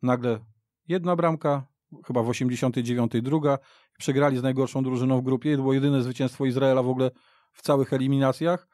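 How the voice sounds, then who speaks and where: A man's voice: medium pitch, steady tone, quick pace, darkish tone, no echo, clean studio sound. A middle-aged man reminiscing in a casual football discussion, rambling and repeating himself as he tells the story. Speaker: football podcast guest. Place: radio studio.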